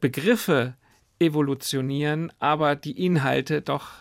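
A man presenting a radio programme in a measured, scripted style, recorded in a studio. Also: a little high, gravelly, no echo. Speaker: radio host and editor. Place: dry studio.

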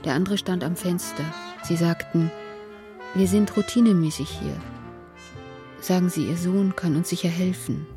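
A woman narrating in the inner voice of an anxious mother in a radio play, quiet and halting, sometimes whispering. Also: on the low side, over music, close to an everyday voice. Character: anxious mother of a troubled son.

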